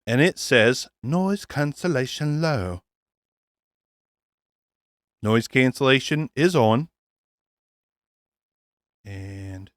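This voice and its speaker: A man reviewing gear in a relaxed, off-the-cuff way, blunt and sometimes swearing. His voice sits at a middle pitch and the sound is dry and close to the mic. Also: no room sound. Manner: blunt, profane, thinking aloud.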